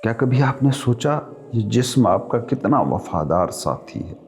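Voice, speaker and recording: A man leading a scripted guided meditation in measured short phrases with long pauses between them. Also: mid-range voice, lively intonation, a little mellow. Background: meditation music with flute.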